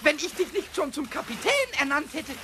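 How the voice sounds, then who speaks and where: A man playing a cheeky, boastful little kobold with a squeaky, shrill voice, stammering and repeating words excitedly in a children's radio play. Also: fairly quick. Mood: admiring. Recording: faintly noisy old cassette recording.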